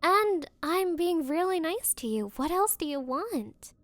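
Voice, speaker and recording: Woman doing a spoiled haughty rich girl for anime asmr rp, really high voice, takes her time, coy and possessive. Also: big pitch swings, unhurried, no room sound, heavily acted. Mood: flustered, defensive. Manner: coy, haughty, hesitant valley-girl phrasing. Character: bratty spoiled rich girl, possessive, smitten but defensive. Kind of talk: anime-style ASMR audio roleplay.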